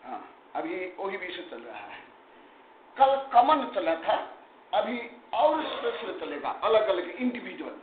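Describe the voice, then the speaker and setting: A high-pitched man with a very lively, rising and falling voice teaches a scripture class, emphatic and scolding his students. The sound is echoey and thin like a phone line. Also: a little slow. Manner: emphatic, animated, chiding students, mixes English terms. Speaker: Jain monk teacher. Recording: echoey room, tinny phone-like sound, faint noise.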